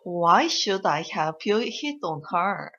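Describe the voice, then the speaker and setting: A woman practicing English lines in a casual chat, answering with short hums and slow repeats. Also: on the low side, sing-song, a bit bright, lo-fi sound.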